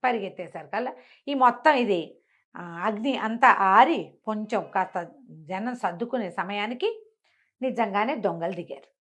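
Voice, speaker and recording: A woman telling a story in an animated, conversational way, as an informal oral storyteller. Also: medium pitch, unhurried, pauses often. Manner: conversational, acts out characters' dialogue.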